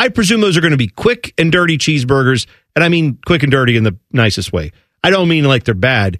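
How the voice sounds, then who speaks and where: A man with an unremarkable speaking voice talks at a fairly quick pace in a fairly high voice with lively intonation, the sound dry and close with no echo against a quiet background. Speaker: radio host. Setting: studio. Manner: bantering, quick, jokey.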